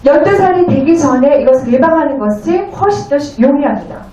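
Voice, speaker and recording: A woman interpreting a lecture phrase by phrase in a polite, formal, somewhat halting way. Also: high voice, expressive, dark tone, lo-fi sound. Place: echoey indoor venue. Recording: very echoey, distant room.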